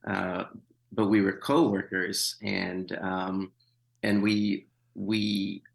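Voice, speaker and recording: A man's voice: sits low, fairly even intonation, extremely slow, gravelly, rough recording. A man in his thirties, a missionary guest in an interview, telling his story with wry humor, many fillers and restarts. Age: 30s. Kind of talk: conversational interview.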